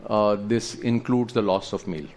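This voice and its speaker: Low-voiced man presenting, with noticeable noise. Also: fairly even intonation, darkish tone. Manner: measured, explanatory, halting with pauses. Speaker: company executive presenter. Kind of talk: earnings presentation to investors, talking through slides.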